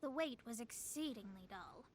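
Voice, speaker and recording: A woman's voice: a little high, animated, normal speed, close to an everyday voice. A woman playing a haughty young female astrologer in an anime video game, with a pompous, formal, theatrical delivery. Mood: haughty, bored. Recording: music behind the voice.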